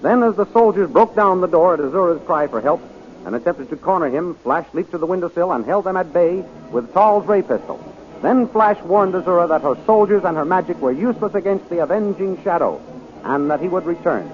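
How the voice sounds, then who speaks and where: A man's voice: high voice, lively intonation, brisk. A man announcing and narrating a 1930s radio adventure serial in a dramatic, declamatory style. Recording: dull 1930s radio recording with music.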